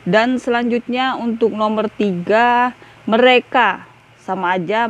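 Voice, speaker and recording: A young woman talks through a vocabulary lesson in a relaxed, chatty way. She keeps tagging her points with friendly asides to her viewers and pauses on fillers as she goes. Her pitch sits in the middle of the usual range. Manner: chatty, repeats "ya guys", many fillers. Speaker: language tutor. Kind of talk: casual video lesson.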